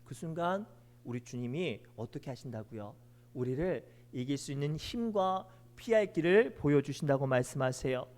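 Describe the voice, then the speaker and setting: A man's voice: medium pitch, animated, moderate pace, a little mellow. A man pastor delivering a sermon, preaching emphatically and telling stories to the congregation.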